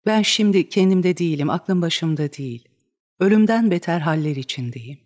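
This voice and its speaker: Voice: mid-range voice, lively intonation, normal speed, darkish tone, close to an everyday voice. A reader voicing a desperate, lovesick young woman in a dramatic reading of a stage play, pleading and crying out in rising outbursts. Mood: despairing.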